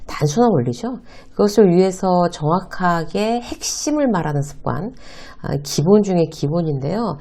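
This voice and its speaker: A woman's voice: fairly low pitch, expressive, normal speed, few pauses, dark tone. A woman hosting a lesson on workplace advice, asking and answering her own questions and acting out short exchanges. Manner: acts out short quoted exchanges. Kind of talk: talk-style lesson to viewers.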